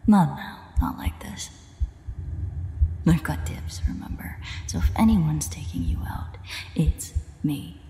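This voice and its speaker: A woman playing a frantic, foul-mouthed female vampire in an audio roleplay, speaking haltingly and often dropping into breathy half-whispers. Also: sits low, mellow. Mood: pleading, remorseful. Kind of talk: audio roleplay, intimate dramatic monologue. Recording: echoey reverberant sound, storm noise behind.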